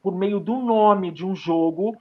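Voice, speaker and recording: A fairly high-pitched man moderates a literary panel over a muffled, lo-fi video call. He leads the conversation analytically. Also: measured pace. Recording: muffled lo-fi audio.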